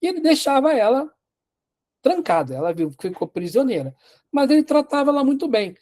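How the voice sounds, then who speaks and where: Male teacher, casual storyteller, restarts a lot, mellow dark voice. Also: extremely high pitch, sing-song, brisk. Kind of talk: storytelling in a class.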